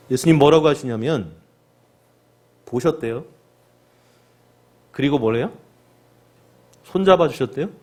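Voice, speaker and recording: A male pastor preaching a sermon, often asking the congregation questions and loudly acting out the cries of the sick. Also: mid-range voice. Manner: asks the congregation rhetorical questions and acts out the lepers' cries.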